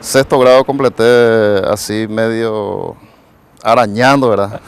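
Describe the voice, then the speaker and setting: A man, a pastor telling his life story in a television interview. His voice is gravelly and mid-pitched. He rambles and tags nearly every phrase with a questioning "right?". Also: normal speed. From Paraguay. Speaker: pastor and evangelist, interview guest. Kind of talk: personal testimony in a TV interview.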